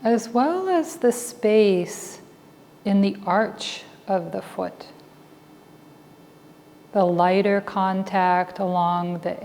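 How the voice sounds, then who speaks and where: Slow, soft-toned woman guiding meditation in reverb. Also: fairly low pitch. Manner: calm, deliberate, with long pauses between short phrases. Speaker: meditation teacher and Buddhist chaplain. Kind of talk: guided meditation instruction. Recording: reverberant hall with faint background noise.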